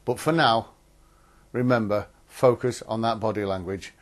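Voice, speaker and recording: A man presenting a training film in a measured, articulate, instructive way, as scripted narration. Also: lowish voice.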